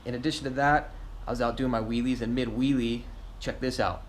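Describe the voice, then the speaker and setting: A man's voice: medium pitch, fairly even intonation, brisk. A man giving a casual, slangy vlog update to his viewers. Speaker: motovlogger. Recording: faint background noise.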